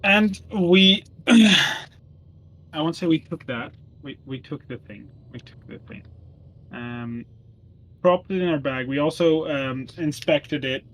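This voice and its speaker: A man's voice: on the high side, animated, slow, a bit bright, low-quality recording. A man recapping the last tabletop game session in casual chat, full of ums and self-corrections. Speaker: player giving the session recap.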